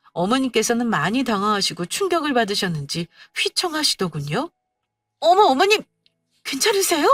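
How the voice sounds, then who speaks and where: Story narrator, woman, calm and confiding, faint music behind. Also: mid-range voice, no room sound. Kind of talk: dramatized first-person story narration.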